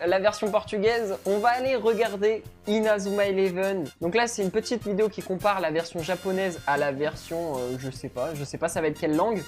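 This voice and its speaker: A woman giving casual reaction commentary in an expressive, exclamatory, colloquial way, as a video host. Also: mid-range voice, a little fast, few pauses, soft background music.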